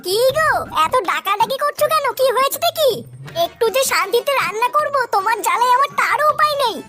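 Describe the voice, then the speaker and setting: A woman's voice: very high-pitched, lively intonation, brisk, sharp tone, soft background music, exaggerated voice. A woman voicing a nagging but protective village housewife in a comic cartoon dub, scolding and exclamatory. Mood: irritated.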